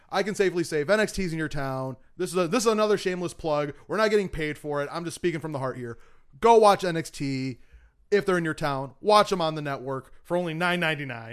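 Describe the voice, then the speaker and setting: In a very clean recording with a silent background, a man with an ordinary speaking voice talks at a fairly quick pace, fairly high pitch, and ordinary pitch variation. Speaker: wrestling fan. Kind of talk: casual chat.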